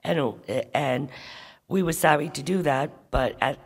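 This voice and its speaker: A woman's voice: low voice, unhurried, creaky, husky. A woman town council member speaking firmly at a public meeting, insisting on her points and repeating them. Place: large school auditorium. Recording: long hall reverb.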